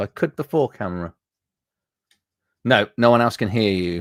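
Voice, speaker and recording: With an English accent, a man speaks at a fairly low pitch with ordinary pitch variation. The recording is very clean and silent behind him, dry and close with no echo. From England. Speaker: podcast host. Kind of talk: live interview.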